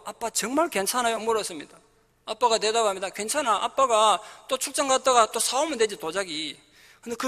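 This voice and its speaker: A man's voice: high voice, pushed and bright. A middle-aged man preaching a sermon, telling a story and acting out its dialogue with emphasis. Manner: emphatic, rising to exhortation. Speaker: pastor. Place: church sanctuary. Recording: long church reverb.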